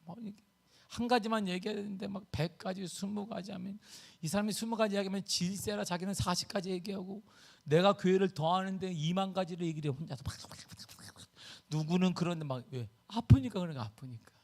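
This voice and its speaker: A middle-aged man preaching a sermon as pastor, telling a story with sudden swings between loud bursts and hushed asides. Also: sits high, steady tone, brisk, gravelly.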